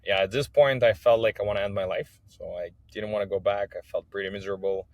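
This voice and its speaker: A man's voice: fairly low pitch, steady tone, fast talker. A man from Kazakhstan, an English speaker telling his personal story as a podcast guest. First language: not English. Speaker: podcast guest, business owner.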